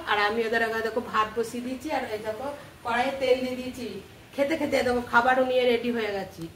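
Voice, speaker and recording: A woman's voice: on the high side, a bit bright, a little hiss or hum, poor audio. A middle-aged woman narrates her day at home casually, chatting directly to viewers and repeating phrases for emphasis. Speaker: homemaker and vlogger. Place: indoors at home.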